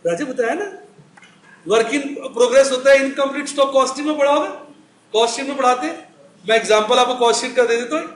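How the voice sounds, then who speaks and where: A middle-aged man with a very high voice talks fast while teaching accounts in a recorded classroom lecture, chatting and posing questions to the class before answering them himself. The room is echoey with faint noise.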